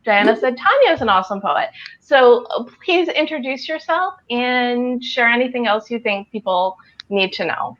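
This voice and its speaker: A woman's voice: on the high side, lively intonation, normal speed, a bit bright, dull audio. A woman hosting a live video chat, talking in an upbeat, chatty, enthusiastic way. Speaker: host. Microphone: video call.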